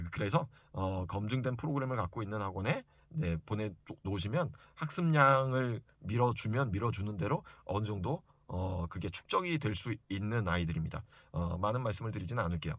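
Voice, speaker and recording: Recorded dry, a medium-pitched man advises parents informally as a private reading and study coach. His delivery is insistent and emphatic, and he repeats key points to drive them home.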